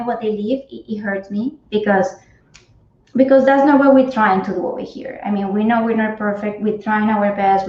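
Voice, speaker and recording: A woman's voice: mid-range voice, a little mellow. Woman, HR guest, earnest, restarts often, roomy echo. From Colombia. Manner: earnest, frequent restarts and repeated words. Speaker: cannabis company HR guest. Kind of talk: interview answers. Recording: echoey, dull remote audio.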